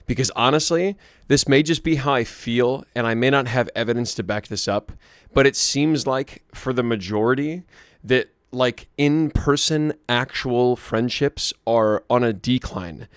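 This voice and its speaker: Hoarse young man telling a rambling story. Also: medium pitch, measured pace, no room sound, clean studio sound. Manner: rambling, with frequent restarts and asides. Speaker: vlogger. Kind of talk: casual storytelling to camera.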